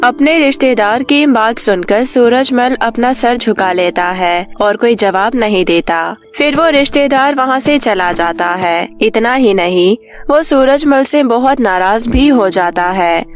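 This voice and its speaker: High-pitched woman narrating a moral tale. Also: animated, unhurried, faint music behind. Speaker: storyteller narrator. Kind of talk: scripted moral story narration for cartoon.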